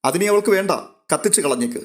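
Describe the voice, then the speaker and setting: Male reader as a firm, steady older sister; protective, a bit high-pitched. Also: fast. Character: calm, firm older-sister woman protecting her family.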